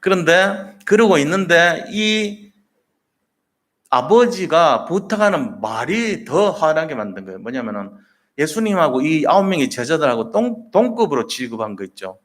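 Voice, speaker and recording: A man's voice: a little high, big pitch swings, normal speed, fairly bright tone. A man preaching a Sunday sermon as pastor, telling the story vividly and acting out the voices in quotes.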